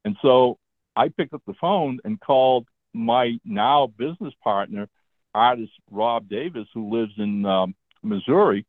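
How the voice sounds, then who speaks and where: A man's voice: mid-range voice, unhurried, no room sound. A man in his seventies, a comic book writer, telling stories about his career as a guest in a casual interview. He talks in a chatty way and keeps checking in with "all right?". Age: 70s. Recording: tinny phone-line sound.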